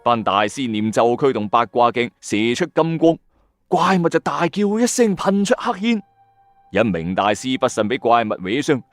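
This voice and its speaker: A man tells stories in Hong Kong Cantonese with a very lively, rising and falling delivery. He talks directly to the listener in colloquial, emphatic phrasing, like the host of a late-night radio ghost show. The voice is recorded dry, with music playing softly behind it. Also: a little high, no room sound. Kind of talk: dramatic storytelling narration with commentary. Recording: dry voice-over with music underneath. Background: background music.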